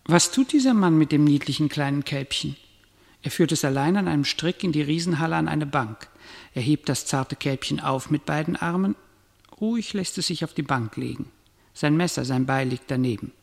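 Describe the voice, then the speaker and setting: Ominous chronicler, gravelly, raised pitch, cavernous reverb, radio-play declamation. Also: male voice, normal speed. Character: ominous male chronicler of the slaughterhouse. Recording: long hall reverb.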